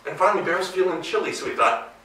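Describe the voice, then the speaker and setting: An American male storyteller with a high, bright voice tells a tale to a live audience. He is playful and conversational, heard slightly at a distance in a very echoey room. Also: quick pace, a little hiss or hum. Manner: playful, asks the listeners questions. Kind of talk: live folktale telling to an audience. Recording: roomy live hall, distant mic.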